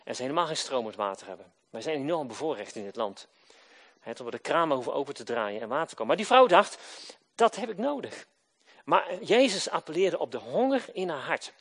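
A man delivers a sermon in a sing-song voice, fairly quickly, shifting between loud emphatic lines and quiet low endings. He asks his listeners questions and supplies the answers himself.

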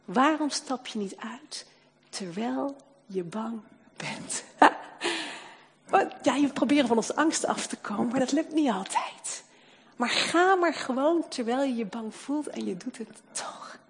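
Woman preacher, fervent sermon delivery, husky higher voice, long hall reverb. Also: animated, measured pace. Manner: passionate, rising to emphatic declarations then dropping low.

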